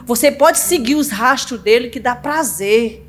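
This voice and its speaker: Woman preaching over soft music. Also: a little high, lively intonation, measured pace. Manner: conversational preaching, frequent "tá?" check-ins. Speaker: pastor. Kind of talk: sermon. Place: church sanctuary. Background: music playing.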